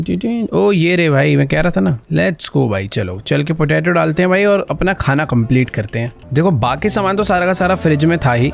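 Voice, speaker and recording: A man giving chatty, excitable commentary while playing a game, constantly talking to his viewers. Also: a little high, gravelly. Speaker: gaming channel host. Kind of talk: live gameplay commentary.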